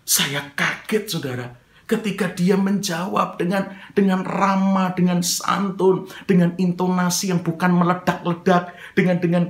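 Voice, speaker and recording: A man's voice: sits high, steady tone, unhurried, reverberant. A man preaching a sermon, telling a story to his congregation and acting out the dialogue, often calling his listeners brothers. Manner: addresses listeners as brothers, acts out quoted dialogue.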